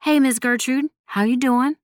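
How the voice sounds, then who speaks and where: Lady doing a brash young neighbor girl, slangy, higher voice, respectful to elders, story character. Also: moderate pace, dry recording, clean studio sound, natural voice. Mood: polite. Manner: slangy, casual.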